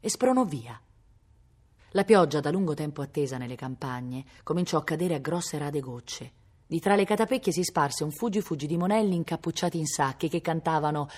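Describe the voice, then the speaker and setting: A woman reads a novel aloud in a low voice. Her delivery is measured and steady, a literary reading recorded at a public library. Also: breathy edge. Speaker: reader.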